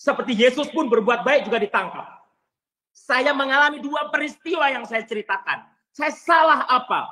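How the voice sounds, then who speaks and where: A male Catholic priest giving a sermon in an animated storytelling manner. He often turns to address the congregation directly and sometimes raises his voice to a shout for emphasis. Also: extremely high pitch, moderate pace.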